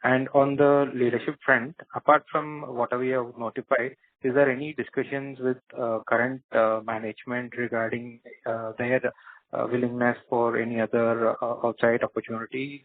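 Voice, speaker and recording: Flat-toned man on a tinny phone line. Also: mid-range voice. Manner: hesitant, halting phrasing. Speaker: analyst asking questions on an earnings call. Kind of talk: spontaneous business questioning.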